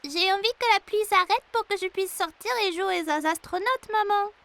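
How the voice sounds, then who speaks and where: A woman's voice: very high-pitched, normal speed, sharp tone, heavily acted. A woman voicing an imaginative, playful four-year-old boy in a children's cartoon, childlike and eager. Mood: wistful.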